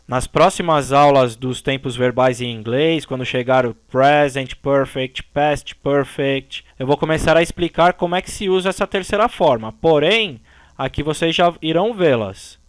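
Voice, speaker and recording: A man's voice: fairly high pitch, normal speed, clean tone, no echo. A man teaching an English grammar lesson, explaining the rules step by step and often checking in with his students.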